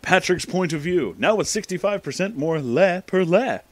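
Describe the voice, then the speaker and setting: A man's voice: high-pitched, lively intonation, normal speed, no echo. A man narrating a comic story aloud in a dramatic reading style, as the show's reader.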